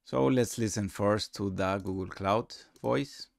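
A man presents a software walkthrough in a low, gravelly voice. His English is non-native and halting, with a casual delivery. The sound is close and dry. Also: no echo. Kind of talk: casual screen-recorded tutorial narration.

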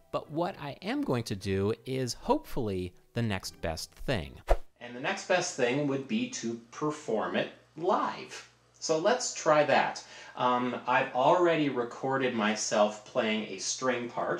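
A man's voice: mid-range voice, very animated, takes it slowly. Casual man in a roomy space. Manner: informal, conversational. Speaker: video host and composer. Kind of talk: casual talk to camera. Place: small home music room, indoors. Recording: roomy home recording.

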